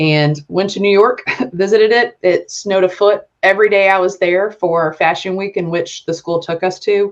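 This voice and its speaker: With a Southern US accent, a woman at a medium pitch speaks at a moderate pace with fairly even intonation and hardly any pauses. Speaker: web design business owner. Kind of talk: podcast interview. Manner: casual, many fillers.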